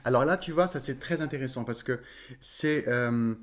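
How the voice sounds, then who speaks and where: Man, voice coach, interview guest, hesitant fillers, middle pitch. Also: moderate pace. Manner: thoughtful, searching for words with many fillers. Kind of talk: interview conversation.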